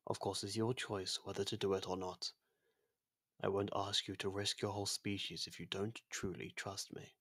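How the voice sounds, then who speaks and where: Ancient world-ending entity for ASMR audio roleplay, male performer. Gravelly, even delivery, soft, formal and gently confiding. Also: low voice, moderate pace, no room sound, clean studio sound, full character voice. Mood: fond, gentle. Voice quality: husky, creaky, soft. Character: ancient genocidal otherworldly being, imprisoned, now courteous and fond.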